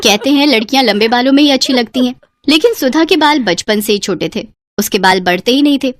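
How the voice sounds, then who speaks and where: A woman telling a cartoon story with scripted, expressive narration. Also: sits high, fairly quick, dry recording, studio quality.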